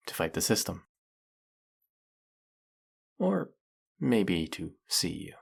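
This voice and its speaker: A man acting in an intimate audio roleplay as a lonely, courteous, smitten snake-headed villain, soft-spoken and flirtatious with a creaky voice. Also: lowish voice, heavily acted. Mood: resigned, confiding.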